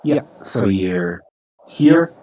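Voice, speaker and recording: A man narrating a tabletop game as game master, speaking slowly with many pauses and restarts. His voice is fairly low and comes across a little distant on a dull, lo-fi recording. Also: sing-song, mellow. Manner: halting, with many fillers and restarts.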